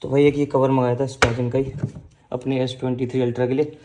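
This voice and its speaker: A man's voice: mid-range voice, level tone, fast, noisy background. Chatty male family vlogger at home. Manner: chatty, advice-giving, addresses viewers as bhai. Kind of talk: casual family vlog chat. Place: at home indoors.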